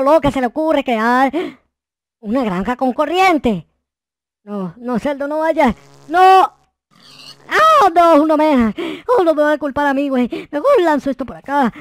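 A man voicing an excitable, mischievous, foul-mouthed young Minecraft noob, exclaiming and muttering to himself as he plays. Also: very high-pitched, dry recording, studio quality. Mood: startled, exasperated. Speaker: gaming video host. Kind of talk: roleplay gameplay commentary.

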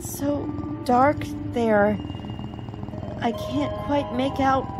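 A woman playing a chatty, brisk college girl in a radio horror drama. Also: high voice, music in the background. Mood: alarmed. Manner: chatty, colloquial.

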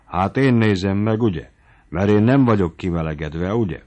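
A man doing a deadpan old manservant. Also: lowish voice, natural voice. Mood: phlegmatic. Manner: flat, unbothered. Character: phlegmatic old male servant, past eighty. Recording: dull lo-fi audiobook recording.

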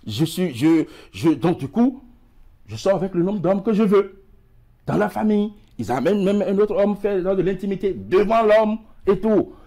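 Here a middle-aged man, an emigration expert guesting in a TV studio interview, talks at a moderate pace with a high, warm voice and lively intonation. He has a West African French accent, gestures widely, stumbles on repeated words, and is picked up by a lapel mic.

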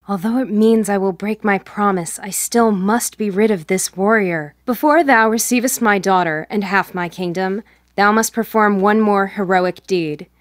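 A woman's voice: medium pitch, moderate pace, dry recording, lightly acted. Woman playing a stern scheming storybook queen, dry sound. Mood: commanding. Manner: imperious, formal. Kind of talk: audio storybook character acting.

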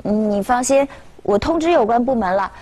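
An actress playing a soft-hearted young nurse in a sitcom, talking in an anxious, pleading way. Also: female voice, fairly high pitch, lively intonation, normal speed. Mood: explaining. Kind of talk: sitcom acting.

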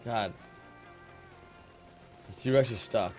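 Joking, excitable young male gamer. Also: lowish voice, extremely slow. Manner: joking, excitable, chanting repeated phrases. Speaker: gameplay streamer. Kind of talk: casual multiplayer game chat. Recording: faint background music.

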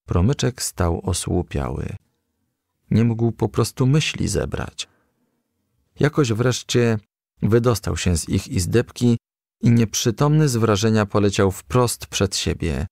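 A man narrates a children's story in a low, creaky voice. His reading is expressive, with pitch that moves widely, and the sound is dry and close. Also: no room sound. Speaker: audiobook reader.

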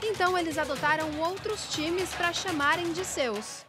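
A woman's voice: very high voice, moderate pace. A woman with a Brazilian accent giving scripted news narration as a reporter. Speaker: news reporter and voice-over translator. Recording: music behind the voice. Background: music.

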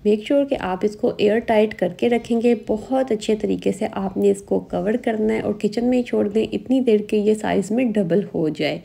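A woman hosting a cooking lesson in voice-over, speaking. Her voice is very dark and mellow with a gravelly edge. She explains each step calmly and plainly. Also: mid-range voice, normal speed, hardly any pauses. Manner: calm step-by-step instructions. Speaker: cooking channel host. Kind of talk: recipe voice-over.

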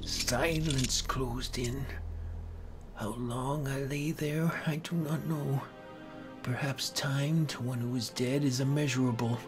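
A man's voice: mid-range voice, steady tone, takes it slowly, music in the background. A man giving a brooding, theatrical first-person narration of a horror comic story. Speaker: narrator and amateur voice actor.

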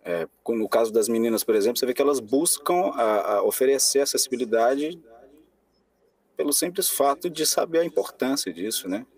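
A man, a musician guest, joining by video call on a headset, speaking slowly as he thinks aloud. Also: medium pitch, animated, a little mellow, breathy edge.

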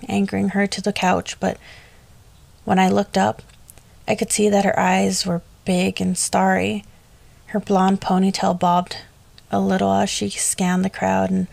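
A woman narrating a scripted horror story in a steady, measured way. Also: mid-range voice, gravelly, dry recording.

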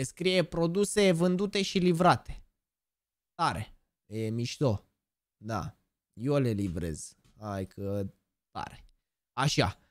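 A man in his twenties, live streaming and chatting, hyper and joking, bursting into shouted catchphrases. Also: mid-range voice, dry recording, clean studio sound. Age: 20s. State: over-excited. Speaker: gaming streamer.

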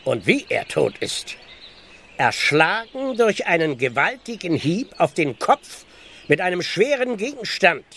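Officious village constable, high creaky voice. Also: male voice, big pitch swings, a little slow, fairly bright tone, a little hiss or hum, exaggerated voice. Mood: stern. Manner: formal, pompous, fussy. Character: officious, blustering English village police constable. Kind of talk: German audio drama acting.

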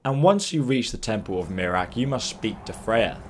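A man hosting a game walkthrough, explaining steps in an upbeat, instructive way, his voice croaky from a long stream. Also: fairly low pitch, big pitch swings, moderate pace. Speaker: gaming guide host.

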